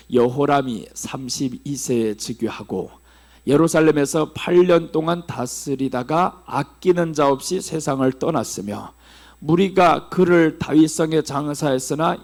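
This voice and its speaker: A middle-aged man with a Seoul Korean accent preaching a sermon as pastor, swinging between hushed low phrases and raised emphatic ones.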